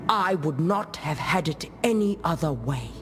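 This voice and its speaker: An actress playing a proud, solemn dead female warrior chieftain in a video game, telling tribal lore in a measured, formal way. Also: low-pitched, animated, noisy background. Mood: proud, grave. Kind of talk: video game character monologue, storytelling.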